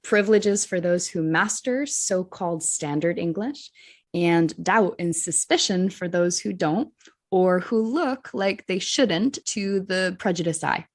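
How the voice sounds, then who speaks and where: A woman co-hosting a podcast for English teachers speaks with a Rhode Island accent. She is earnest and reflective and poses rhetorical questions, her voice a touch low. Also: unhurried. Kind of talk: scripted podcast discussion.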